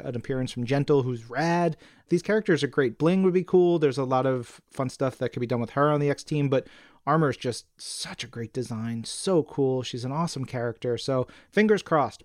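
A man's voice: medium pitch, darkish tone, no room sound, clean studio sound. A man co-hosting a casual comics fan podcast, chatting enthusiastically and reading out listener messages. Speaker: podcast co-host.

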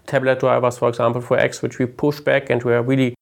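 German guy, really gravelly fry in his voice, mid pitch, explaining things in an interview. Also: completely flat delivery, quick pace. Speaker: engineering team lead, interview guest.

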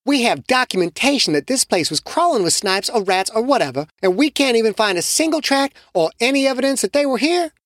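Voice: medium pitch, big pitch swings, a little fast, few pauses, no echo, voice pushed up, lightly acted. A narrator voicing a skeptical young woman student who is blunt, sarcastic and swears freely, in a dry, close recording. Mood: reasoning.

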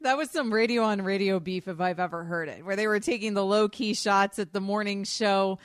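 A woman's voice: mid-range voice, a little fast, dry recording, studio quality. A woman co-hosting a sports radio show, teasing and emphatic.

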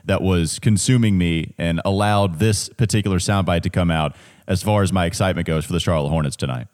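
A man's voice: sits low, brisk, a little mellow. A man from North Carolina with a Southern accent, co-hosting a casual sports podcast and rambling with many restarts. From Catawba County, North Carolina. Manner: rambling, self-interrupting, chuckling.

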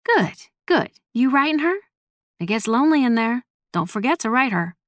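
A woman's voice: on the high side, very animated, normal speed, no echo, voice pushed up. Stern, salty grandmother in an audiobook, elderly and protective, scolds bluntly, dry studio sound female reader performs her. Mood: blunt concern.

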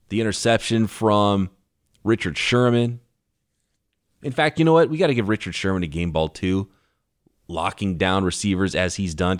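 A man with a fairly low voice hosts a solo sports podcast, recorded dry and close with no room sound. He talks in an energetic, conversational way and leans hard on the points he wants to stress. His voice is hoarse and worn down from a lingering cough. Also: no echo. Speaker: podcast host.

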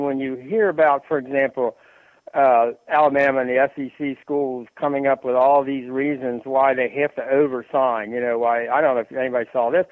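A man talking sports on a radio show, halting and full of fillers and restarts. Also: a little high, no room sound. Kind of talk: rambling sports talk on phone. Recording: tinny phone line.

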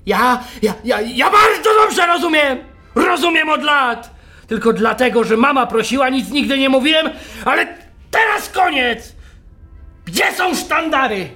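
An actor playing a bitter drunk man who shouts and rants at his family in a radio play. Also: very high voice, lively intonation, fairly quick, few pauses, soft background music, full character voice. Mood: accusing. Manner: shouting, ranting, accusing. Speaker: radio drama character.

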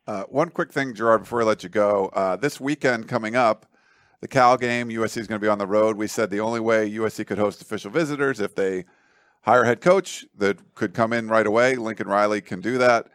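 A man's voice: on the low side, brisk, fairly bright tone, dry recording, studio quality. A man hosting a casual sports talk show, asking chatty, roundabout questions. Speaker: sports podcast host.

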